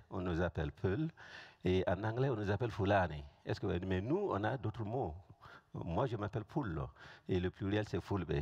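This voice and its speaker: A man's voice: on the low side, darkish tone, husky. A man from Burkina Faso, a native Fulfulde speaker with a West African accent, giving an informal testimony as a guest pastor, conversational and often checking in with his listeners. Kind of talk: informal testimony preaching to a congregation.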